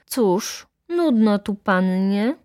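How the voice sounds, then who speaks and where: A woman's voice: mid-range voice, animated, drawn-out words, a little mellow, no room sound, clean studio sound. A woman voicing an insolent, pompous male valet who orders people about in a haughty, commanding way.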